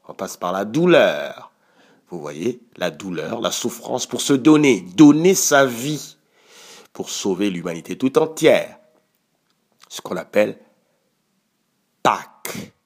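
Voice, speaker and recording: A man who leads a prayer and then preaches, slow and emphatic, often asking "vous voyez". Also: fairly low pitch. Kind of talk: prayer and sermon.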